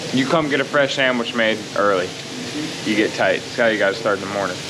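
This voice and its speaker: Talking at a very fast pace over noticeable background noise, a man speaks with ordinary pitch variation. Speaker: fishing vlogger. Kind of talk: casual vlog chat. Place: shop. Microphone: phone near.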